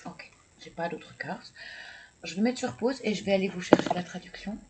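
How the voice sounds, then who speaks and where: A man reading tarot and oracle cards for viewers, talking slowly and hesitantly with many fillers, and encouraging and congratulating the listener. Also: sits high. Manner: slow, hesitant, with many fillers and repeated words. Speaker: tarot and oracle card reader. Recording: clear background noise.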